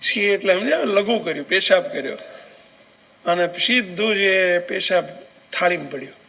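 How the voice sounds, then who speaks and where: A male preacher spins a devotional story in an animated way. His voice sits high and he keeps turning to the audience with questions. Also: normal speed, vocal fry, poor audio.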